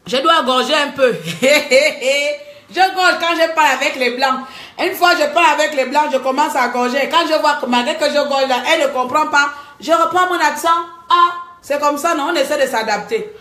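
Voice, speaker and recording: A woman talking to her viewers in a live-stream monologue, animated, scolding and joking by turns. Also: high voice, normal speed. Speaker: livestreamer. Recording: echoey room.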